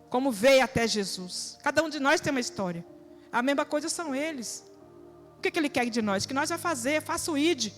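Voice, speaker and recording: A woman's voice: high voice, a bit bright. A woman from São preaching an earnest, exhorting sermon in church, full of rhetorical questions and plain everyday speech. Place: church hall. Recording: reverberant church hall with music.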